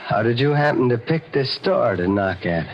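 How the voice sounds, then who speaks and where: An actor playing a nervous, lonely window dresser turned killer in old-time radio horror, speaking hesitantly with stammers. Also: male voice, mid-range voice, expressive, moderate pace. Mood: nervous, solicitous. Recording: muffled vintage radio, organ music behind.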